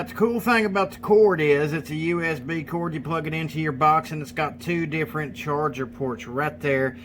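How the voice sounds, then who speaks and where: A man's voice: fairly high pitch, noisy background. A man giving a casual hands-on gadget review in a folksy, plainspoken way with colloquial grammar. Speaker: product reviewer, mechanic.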